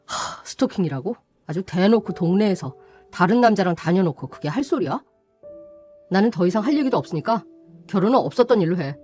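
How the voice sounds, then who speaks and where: A woman's voice: medium pitch, lively intonation, fairly quick, warm tone, soft background music, close to an everyday voice. Woman doing a jilted guy, stern and blunt, no patience left. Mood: angry. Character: betrayed young man, cold and firm. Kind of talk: radio drama acting.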